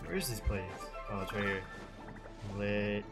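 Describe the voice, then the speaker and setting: A young man giving casual, slangy, deadpan reaction commentary while playing a video game. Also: lowish voice, unhurried. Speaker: gaming streamer. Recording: game music behind.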